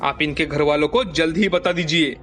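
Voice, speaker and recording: An actor voicing a calm, businesslike hospital doctor who speaks in a measured, reassuring way. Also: male voice, a little high, soft background music, close to an everyday voice. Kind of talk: cartoon dubbing.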